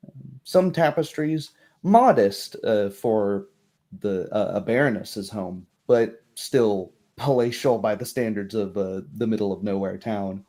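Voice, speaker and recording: A man running a tabletop roleplaying game, describing scenes in a halting, improvised way. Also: lowish voice, mellow. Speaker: game master.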